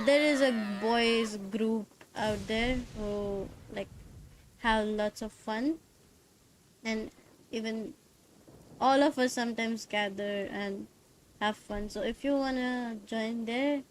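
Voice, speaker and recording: A young woman with a South Asian accent and a fairly high voice. She is a native Bengali speaker chatting casually to viewers of a game livestream. There is faint noise in the background. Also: rough recording.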